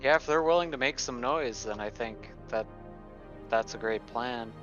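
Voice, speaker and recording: A man's voice: mid-range voice, moderate pace, fairly bright tone, soft background music. A man playing a tabletop game, casually and thoughtfully talking through tactics on a slightly muffled voice track. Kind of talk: casual in-game planning chat. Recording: slightly dull, band-limited voice track.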